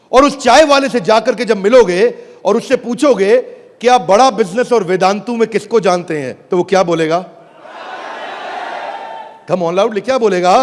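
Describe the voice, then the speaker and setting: A man giving an energetic stage pitch for a product launch, rallying the audience and shouting questions at them. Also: long reverb tail. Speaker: business speaker launching a product.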